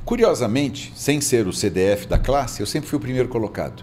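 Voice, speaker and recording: Man with a medium pitch and fairly quick pace. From Brazil, São Vicente (São Paulo coast). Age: 60s. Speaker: historian, institute president. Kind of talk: podcast interview, life stories.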